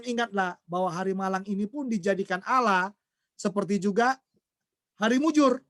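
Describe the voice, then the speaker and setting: A man with a high-pitched voice preaches a sermon and keeps quizzing his listeners before answering each question himself. The recording is dry and close, with no room sound. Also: a bit bright, no echo. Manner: asks the congregation questions and answers them himself; acts out everyday quarrels in quoted voices.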